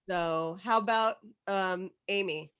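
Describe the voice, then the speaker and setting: A woman's voice: medium pitch, takes it slowly, smooth. A woman chatting casually and playfully as she hands out parts for a group script read on a video call. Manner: playful, excitable, casually sweary. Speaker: organizer of an online script table read.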